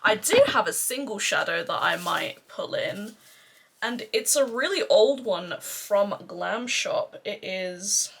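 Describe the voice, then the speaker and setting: A woman's voice: mid-range voice, lively intonation, takes it slowly, a bit bright, breathy edge, low-quality recording. A woman beauty vlogger rambling casually and playfully to camera, with some swearing and self-deprecation. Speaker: beauty vlogger doing a makeup tutorial.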